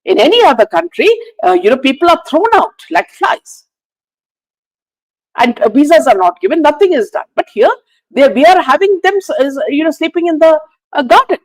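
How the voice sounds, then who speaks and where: Indignant woman, high lively voice. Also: normal speed, rough recording. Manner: indignant, fires rhetorical questions, frequent "uh" and "you know". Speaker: host. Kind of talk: live-stream commentary reading viewer comments.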